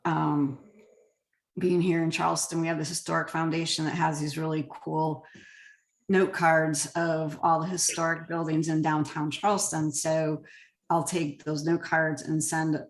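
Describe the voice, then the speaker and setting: A woman's voice: sits low, little pitch movement, unhurried. A woman from Connecticut, a real estate agent, explaining her work conversationally as an interview guest. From Connecticut, United States. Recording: roomy echo.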